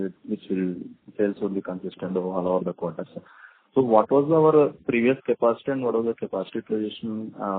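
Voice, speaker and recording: A man's voice: on the low side, vocal fry, husky. A man with an Indian accent, politely and somewhat hesitantly asking questions as a caller on an investor call. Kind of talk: question and answer. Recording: thin, dry phone line.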